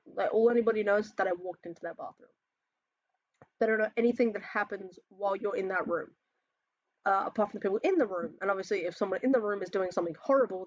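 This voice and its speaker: Exasperated Australian trans man, soft feminine voice. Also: high-pitched, no echo, muffled recording. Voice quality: feminine-sounding voice. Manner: exasperated, swears often, rambling with laughs and sighs. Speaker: reaction video host. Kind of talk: casual reaction commentary.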